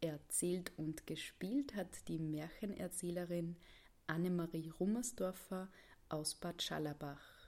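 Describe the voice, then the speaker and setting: The speaker moves at a very slow pace with ordinary pitch variation. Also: woman, fairly low pitch for a woman. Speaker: radio host. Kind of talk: news-style announcement reading.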